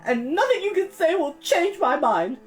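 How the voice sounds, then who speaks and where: A woman's voice: very high voice, very animated, moderate pace, faint music behind, pitched above the performer's own voice. A woman voicing a fearful, fussy older aunt in a children's storybook, whining and scolding in a pedantic way. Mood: frightened, stubborn. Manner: whining, grammar-pedantic, stern.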